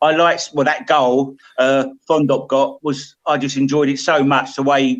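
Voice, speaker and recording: A man talks in a strong Southern English accent. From south London (Sutton). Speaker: football commentator and coach. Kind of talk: phone-in chat. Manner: enthusiastic.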